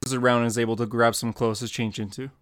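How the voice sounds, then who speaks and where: A man's voice: mid-range voice, level tone, fast, fairly bright tone, no room sound, clean studio sound. A man co-hosting a podcast, plainly reading out what happens in comic panels. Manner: plain, matter-of-fact. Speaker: podcast co-host.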